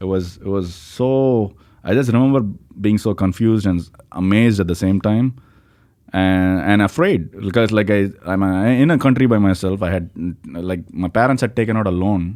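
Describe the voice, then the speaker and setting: With a strong Indian accent, a man speaks at a fairly low pitch on a very clean recording with a silent background. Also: ordinary pitch variation, moderate pace. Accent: thick Indian. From India, Chennai. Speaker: stand-up comedian. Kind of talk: casual chat. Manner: halting, many fillers and restarts.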